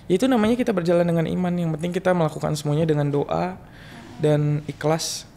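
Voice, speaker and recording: A young man talking reflectively in a relaxed podcast chat, mixing in jokes. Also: fairly high pitch, quick pace, gravelly. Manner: reflective, joking, many restarts and slang. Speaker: guest musician.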